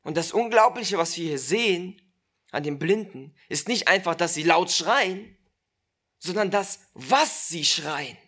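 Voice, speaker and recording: Preacher, sermon, slow deliberate delivery, repeats key phrases, addresses listeners. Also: mid-range voice, animated, fairly bright tone.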